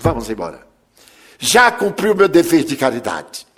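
A man's voice: mid-range voice, wildly swooping pitch, moderate pace, fairly bright tone, breathy edge, voice pushed down, full character voice. A man voicing a haughty, cold society mother who talks in a curt, dismissive way. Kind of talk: storytelling with acted voices.

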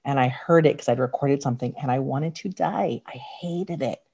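A woman with a raspy, slightly deep voice, a podcast guest telling candid, reflective stories from her life in casual chat. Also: normal speed, dark tone. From Canada. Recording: dull lo-fi sound.

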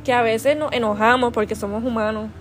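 Female podcast host, higher voice, affectionate and earnest devotional delivery, quiet music bed. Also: steady tone, brisk. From Puerto Rico. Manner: earnest and affectionate, with constant "¿verdad?" tags and restarts. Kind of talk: heartfelt devotional talk.

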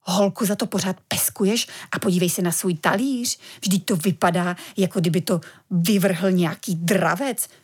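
A woman voicing a brisk, scolding mother in a children's storybook reading. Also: lowish voice, slightly rough.

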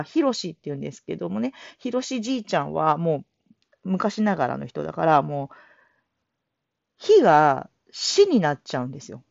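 A woman's voice: medium pitch, creaky, a little mellow, no room sound. A woman hosting her own casual solo talk show, chatty and self-deprecating, laughing often as she rambles. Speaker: solo audio show host. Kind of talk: casual spoken monologue. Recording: dull lo-fi dry recording.

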